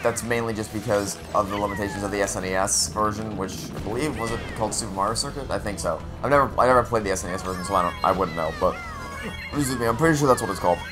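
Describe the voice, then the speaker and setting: A young man with a low, slightly raspy voice talks through a kart race in casual let's-play commentary. He rambles, breaks off and restarts his sentences. Game music plays clearly underneath. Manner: rambling, with frequent restarts and self-corrections.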